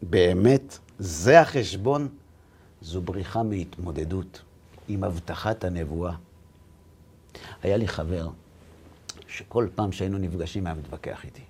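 Rabbi guy chatting, gravelly husky voice, acts out the dialogue. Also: low voice, pauses often, a little mellow. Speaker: rabbi and lecturer. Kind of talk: storytelling in a conversation.

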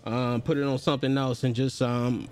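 A man's voice: medium pitch, little pitch movement, moderate pace, darkish tone. A man with an African American English accent hosting a live podcast in casual group chat. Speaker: podcast host.

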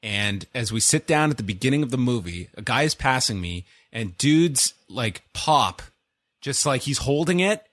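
A man's voice: medium pitch, expressive, normal speed, fairly bright tone, no room sound. A man from Canada, co-hosting a casual podcast in a mid-range voice. He rambles easily and slips into dry sarcasm. The sound is dry and close, with no room around it. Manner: chatty, dry sarcastic humor. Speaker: podcast co-host. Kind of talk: casual chat.

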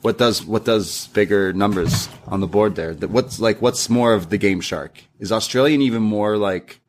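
A young man casually recapping a wrestling show, retelling lines in a lively, animated way. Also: on the low side, moderate pace, slight background noise. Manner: lively recap with acted-out quotes.

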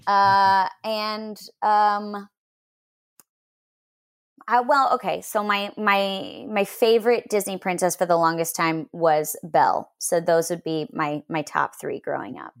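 A woman's voice: mid-range voice, steady tone, takes it slowly, vocal fry. A woman in casual conversation, talking reflectively and thoughtfully with many fillers and restarts. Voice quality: voice that gets lost. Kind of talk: casual chat.

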